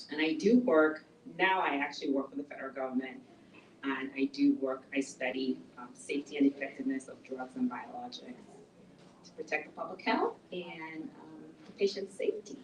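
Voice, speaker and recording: Brief: middle-aged woman, low voice, author talk, conversational, recorded from afar in an echoey room. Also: moderate pace, recorded from a distance, noisy background. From Nigeria. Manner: conversational, explains plainly. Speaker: author and speaker. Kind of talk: book talk to a small audience.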